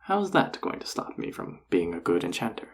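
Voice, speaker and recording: A man playing a flirty, self-assured enchanter boss in an audio roleplay, teasing and coaxing the listener in a husky, gravelly voice. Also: low voice, big pitch swings, moderate pace, full character voice. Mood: casual, persuasive. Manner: teasing, coaxing, casually confident. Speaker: voice actor. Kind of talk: intimate scripted audio roleplay addressed to the listener.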